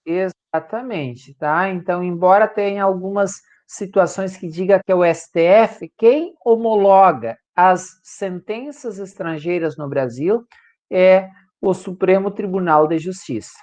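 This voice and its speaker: A man with a high, darkish voice speaks at an unhurried pace. He's a law professor with a Brazilian Portuguese accent, lecturing a class and checking in with students after nearly every point, constantly tagging on "tá, gente?"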